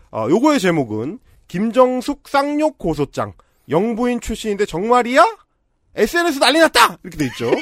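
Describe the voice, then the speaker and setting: At a moderate pace, a man speaks in an extremely high pitch with very wide pitch swings, in a dry, close sound with no echo on a very clean recording with a silent background. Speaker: fake news debunker. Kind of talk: casual chat. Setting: studio. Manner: animated.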